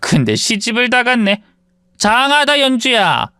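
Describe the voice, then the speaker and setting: Brief: male narrator playing a scornful female bully, bright and sharp, condescending. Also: very high-pitched, big pitch swings, measured pace, clear, resonant tone, no echo, clean studio sound, voice pushed up, heavily acted. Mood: sneering. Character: sneering spiteful woman classmate, bully.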